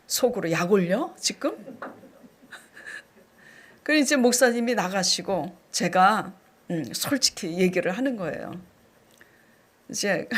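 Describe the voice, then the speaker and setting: High-voiced woman pastor preaching animatedly. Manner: animated, acts out her own past outbursts. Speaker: senior pastor. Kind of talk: sermon with lively storytelling.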